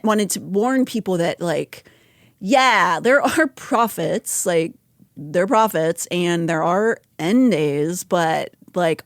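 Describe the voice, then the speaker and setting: A woman's voice: fairly low pitch, no room sound, studio quality. A woman hosting a podcast, talking in a wry, chatty way with asides and laughs. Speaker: podcast host. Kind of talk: casual conversational podcast.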